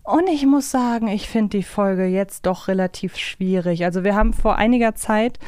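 A woman with a smooth, clear voice of medium pitch chats as a podcast co-host. She is casual and reflective, in a dry, close recording. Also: normal speed, dark tone, no room sound. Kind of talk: casual conversational discussion.

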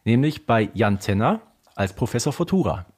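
Slightly husky man, podcast co-host. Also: mid-range voice, animated, normal speed, darkish tone. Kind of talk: casual conversational commentary.

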